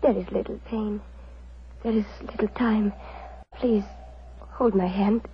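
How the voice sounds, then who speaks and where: An actress playing a dying gypsy fortune-teller, speaking faintly and solemnly in a 1940s radio drama style. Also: female voice, mid-range voice, fairly even intonation. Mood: weak, resigned. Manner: solemn, halting, formal phrasing. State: faint, dying, occasional coughing. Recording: dull old radio recording with faint noise.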